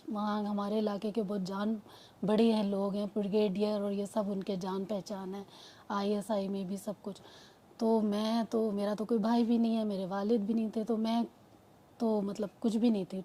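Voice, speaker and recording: With a dark, mid-range voice, a woman who is a mother of two tells her personal story sincerely. It meanders, frequently restarts, and features quoted conversations.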